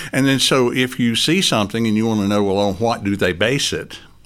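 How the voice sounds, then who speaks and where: A man with a Southern US accent speaks at a fairly quick pace. His voice sits fairly low. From Tennessee, Chattanooga. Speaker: MRI safety consultant. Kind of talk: casual interview.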